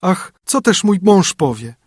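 A man's voice: medium pitch, lively intonation, normal speed, darkish tone, slightly rough, no echo, clean studio sound, voice pushed up. A man voicing a proud young princess fallen into poverty, in a storybook reading. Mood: distressed. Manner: haughty, then plaintive.

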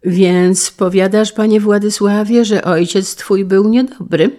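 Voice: medium pitch, steady tone, a little slow, mellow, voice pushed up, lightly acted. A narrator voicing a jovial middle-aged carriage manufacturer who asks hearty, teasing questions in an audiobook. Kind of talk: audiobook character reading.

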